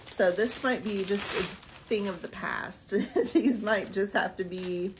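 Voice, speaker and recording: A woman in her thirties chatting casually in a haul vlog from a small room, rambling and laughing, a little hoarse from losing her voice. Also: mid-range voice, measured pace, noisy background. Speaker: vlogger showing a haul. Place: small decorated room indoors.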